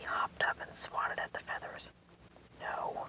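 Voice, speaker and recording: Whispering at a moderate pace in a soothing tone, a woman speaks over noticeable background noise. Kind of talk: ASMR magazine and short story reading. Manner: whispered, soft-spoken, soothing.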